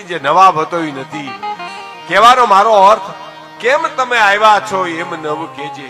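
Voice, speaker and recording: An older man with a Gujarati accent, telling folk stories and giving moral advice to an audience, often calling them "saheb" and reciting couplets with emphasis. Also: high voice. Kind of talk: dayro folk storytelling and moral talk.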